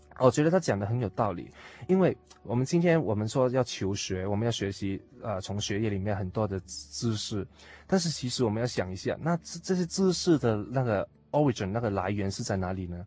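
In a Hong Kong accent, a man talks with lively intonation at a fairly quick pace. His pitch sits fairly low. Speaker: church member sharing life story. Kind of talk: interview testimony. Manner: hesitant, many fillers.

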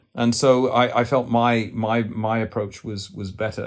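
A man speaks with an English accent in a fairly low voice. The recording is very clean, with a silent background. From England. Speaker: writer and publisher. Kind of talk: interview.

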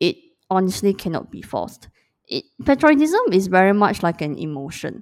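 The speaker's pitch swings very widely and the loudness rises and falls sharply. The pace is moderate. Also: woman, medium pitch for a woman. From Malaysia. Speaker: podcast host. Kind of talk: solo commentary podcast. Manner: casual with frequent fillers.

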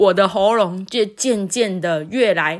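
A woman talks at a medium pitch. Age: 30s. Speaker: podcaster. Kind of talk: casual monologue. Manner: slow; casual.

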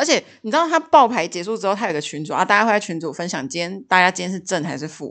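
A woman with a Taiwanese accent speaks at a very fast pace in a medium pitch. Her tone is animated, and the background is quiet. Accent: Taiwanese Mandarin. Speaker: podcast co-host. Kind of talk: casual chat. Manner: animated, laughing often.

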